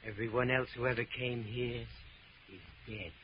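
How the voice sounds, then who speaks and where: A man's voice: medium pitch, steady tone, unhurried, husky. A man playing a cold, murderous seafaring gunman in an old radio drama, curt and commanding. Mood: cold threat. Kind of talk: 1940s radio drama acting. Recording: noisy muffled old radio recording.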